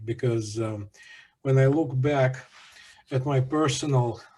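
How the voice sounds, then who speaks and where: Medium-pitched man with a dark, mellow tone, somewhat breathy delivery, and fairly even intonation. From Soviet Union. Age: 60s. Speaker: speaker at a faith talk. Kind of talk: talk. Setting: video call. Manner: halting.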